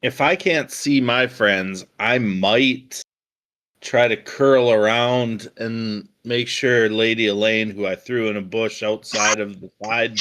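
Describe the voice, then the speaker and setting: A man playing a tabletop game, thinking aloud in a deliberate way. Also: lowish voice, fairly bright tone. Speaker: player.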